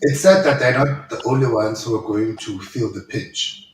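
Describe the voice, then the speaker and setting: A man co-hosting a casual podcast discussion, speaking in a measured, explanatory way. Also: medium pitch. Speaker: podcast co-host. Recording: distant echoey mic, faint noise.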